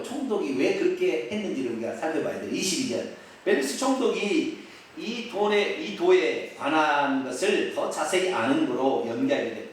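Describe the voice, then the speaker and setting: Animated man preaching in an echoey hall. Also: sits high. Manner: animated preaching, asks the congregation questions and acts out quotes. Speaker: pastor. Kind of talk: expository sermon. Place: church sanctuary. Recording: echoey church hall, mic at a distance.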